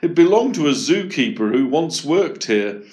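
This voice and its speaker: A man's voice: on the high side, big pitch swings, moderate pace, darkish tone, pitched above the performer's own voice. A man doing a matter-of-fact storybook dad. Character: dismissive jokey father.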